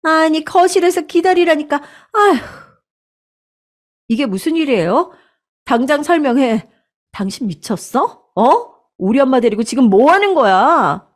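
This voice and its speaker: A woman voicing a furious young married daughter, shouting indignantly in a storybook drama. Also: sits high, very animated, moderate pace, hardly any pauses, voice pushed up.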